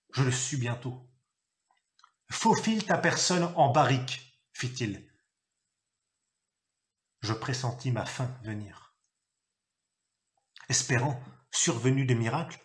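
A man reading a novel aloud, telling it expressively and acting out a gruff father's shouted lines. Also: medium pitch. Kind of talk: literary reading.

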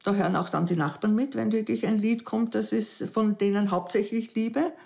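Widowed woman, soft gravelly voice. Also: medium pitch, steady tone, moderate pace. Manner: hesitant, reflective, softening into near whispers. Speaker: dating show candidate. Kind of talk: emotional interview. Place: living room at home.

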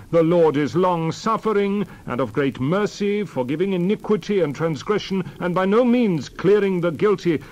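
A man's voice: fairly high pitch, darkish tone, highs cut off, lightly acted. A man playing an earnest prophet-leader in a dramatized scripture reading, emphatic and oratorical. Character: Moses, earnest male leader pleading and exhorting.

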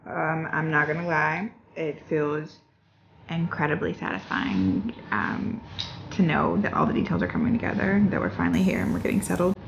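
A woman's voice: deep voice, moderate pace, vocal fry, noisy background. A young pregnant woman vlogging in a casual, upbeat way, full of "like" and "um". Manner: chatty, upbeat, lots of "like" and "um". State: heavily pregnant. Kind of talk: casual vlog chat.

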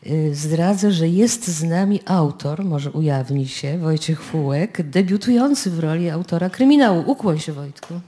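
A woman's voice: low voice, normal speed, hardly any pauses, mellow. A woman radio host introducing a live radio play from the stage to a studio audience.

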